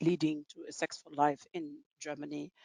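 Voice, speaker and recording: A woman with a French accent at a moderate pace, dry and close with no echo. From Tunisia. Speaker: language department head at a cultural institute. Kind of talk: webinar presentation. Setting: video call. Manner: halting, many fillers.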